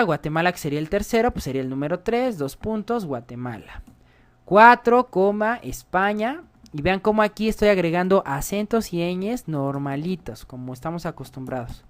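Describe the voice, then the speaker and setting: Male coding instructor, patient step-by-step screencast narration. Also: high-pitched. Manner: explanatory, often checks in with the viewers. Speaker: programming instructor.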